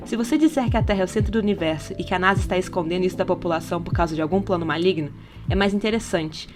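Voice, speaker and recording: A woman's voice: on the low side, very fast. A Brazilian woman reading a scripted podcast essay in an explanatory manner, often posing rhetorical questions. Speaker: podcast narrator. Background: background music.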